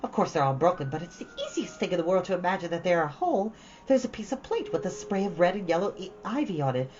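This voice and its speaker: A woman's voice: lowish voice, expressive, fast, close to an everyday voice. A woman voicing a dreamy, romantic, chattering young girl in a storybook, gushing with dramatic earnestness. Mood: proud, enchanted. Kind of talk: storybook read-aloud. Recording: dull, lo-fi, faint background noise.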